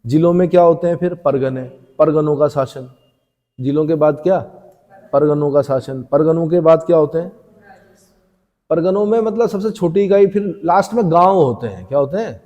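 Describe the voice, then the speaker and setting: A man's voice: a little high, moderate pace, warm tone, highs cut off. A male teacher giving an exam-prep lecture. He asks questions and answers them himself, and he repeats the key terms. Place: coaching classroom. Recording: echoey room with long reverb.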